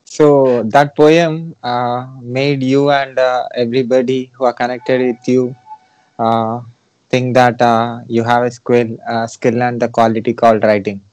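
A man interviewing an author, pausing often with fillers between words. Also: mid-range voice, level tone, a little mellow, low-quality recording. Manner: hesitant, many fillers.

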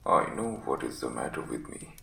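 A man voicing a gravely ill but masterful detective in a weak, breathy croak, giving clipped, imperious orders in a story reading. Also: a bass voice, sing-song, normal speed, pushed and bright, reverberant, recorded from a distance, slight background noise, pitched below the performer's own voice, heavily acted. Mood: feverish, rasping. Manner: imperious, clipped commands with coughing.

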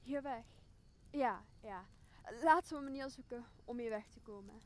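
A woman's voice: on the high side, normal speed, close to an everyday voice. A young woman playing a troubled, regretful stranded boss in an audio drama, earnest and reflective. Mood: uneasy. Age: young adult. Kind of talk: Shakespearean audio drama monologue.

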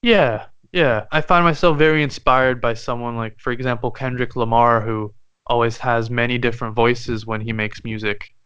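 A man's voice: mid-range voice, fairly even intonation, moderate pace, fairly bright tone, clean tone, no echo. Young man from Canada, French as first language, resonant voice, hesitant thoughtful guest, dry dull recording. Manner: hesitant, thoughtful, many fillers and restarts. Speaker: guest musician. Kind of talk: casual interview chat.

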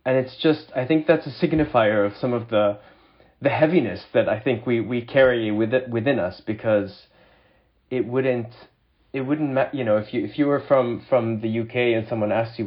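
A man's voice: mid-range voice, fast. A man speaking as an interview guest, explaining his thoughts earnestly in a conversational way, on slightly lo-fi audio.

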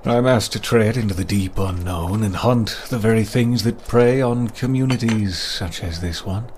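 A man's voice: lowish voice, moderate pace, darkish tone, slight background noise, natural voice. A man playing an easygoing, boastful monster hunter for hire in an audio drama, with a hesitant, rambling delivery. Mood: confident, boastful. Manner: hesitant, rambling, munches while talking.

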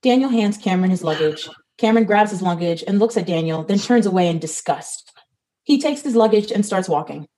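Woman narrator, stage directions, matter-of-fact, mellow dark tone, mid pitch. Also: animated, a little fast, poor audio.

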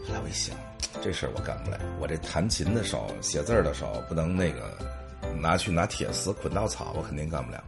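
A middle-aged man tells funny stories from his past as a show host. His voice sits very low, yet his pitch swings widely and animatedly. Faint music plays behind him. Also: quick pace, gravelly. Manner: humorous, anecdotal, lively. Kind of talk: storytelling monologue.

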